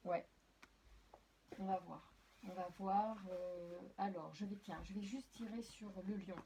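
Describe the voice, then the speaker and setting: A woman reads tarot cards aloud in a warm, mellow voice. She hesitates often, restarts her phrases and apologizes as she goes. Faint background noise and small clicks sit under the voice. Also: medium pitch, fairly even intonation, unhurried. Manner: addresses viewers directly. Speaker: tarot and oracle card reader. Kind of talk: casual spoken card reading.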